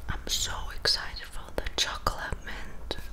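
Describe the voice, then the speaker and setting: There is a woman talking. Background noise is clearly audible. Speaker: ASMR creator. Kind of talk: ASMR taste test, whispered food review to camera. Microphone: studio mic.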